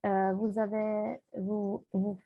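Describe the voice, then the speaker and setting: A woman with a foreign accent in French feels her way through questions as a non-native speaker. Her delivery is slow and halting, with some creak. The sound is thin and phone-like. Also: mid-range voice, level tone, no echo. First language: not French. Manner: hesitant, searching for words in French. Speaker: festival participant asking questions. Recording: muffled phone-like online call audio.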